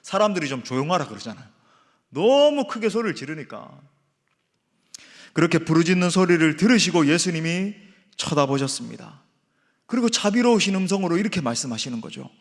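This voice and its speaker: Male preacher, high and animated, emphatic rhetorical delivery, echoing church hall. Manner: emphatic, rhetorical questions, addresses the congregation often. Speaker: senior pastor. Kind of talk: sermon. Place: church sanctuary.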